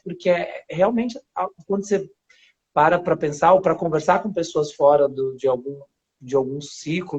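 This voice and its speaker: A man from Paraíba who grew up in São Paulo and speaks with a São Paulo accent, a guest actor chatting casually in an interview, rambling with restarts and soft laughs. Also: sits high, husky. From Paraíba, Brazil. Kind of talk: casual interview on a live stream. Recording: dull lo-fi live stream audio.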